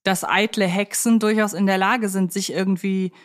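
A woman's voice: medium pitch, fairly even intonation, normal speed. A woman co-hosting a film analysis podcast, talking conversationally in a reflective, articulate way. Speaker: podcast co-host.

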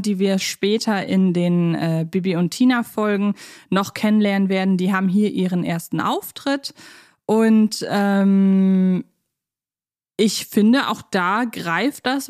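A woman co-hosting a podcast in casual chat, talking like an enthusiastic fan who thinks aloud. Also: medium pitch. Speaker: podcast co-host. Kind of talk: casual chat about children's audio plays.

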